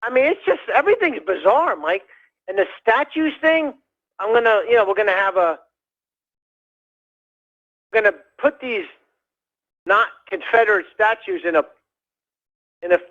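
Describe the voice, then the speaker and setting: A man calling in to a radio show, rambling in a halting way with many fillers and restarts. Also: sits high, lively intonation, fairly bright tone. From United States. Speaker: caller. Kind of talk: rambling call-in chat. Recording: dull lo-fi phone call.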